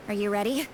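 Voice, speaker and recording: An actress playing a wry, theatrical young mystic in a video game, with a teasing, deliberate delivery. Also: female voice, mid-range voice, background noise.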